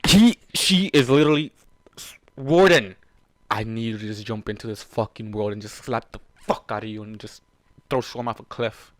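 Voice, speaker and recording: A man's voice: on the low side, normal speed, no room sound. A man reading fan fiction aloud and ranting about it in an exasperated, profane way, addressing the characters directly. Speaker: fan fiction reader and reactor. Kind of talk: reading a story aloud with angry ranting commentary.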